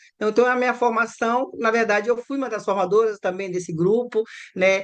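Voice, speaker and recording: This woman has an ordinary speaking voice, fairly high in pitch, with ordinary pitch variation and a fairly quick pace. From Maranhão, Brazil. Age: 60s. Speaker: activist. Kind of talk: podcast interview.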